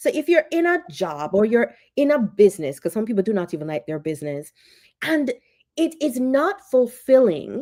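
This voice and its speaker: A woman with a dark, mellow tone speaks at a moderate pace with very wide pitch swings, in a very clean recording with a silent background. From Jamaica. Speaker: purpose and career coach. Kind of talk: interview. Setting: on vacation in Florida.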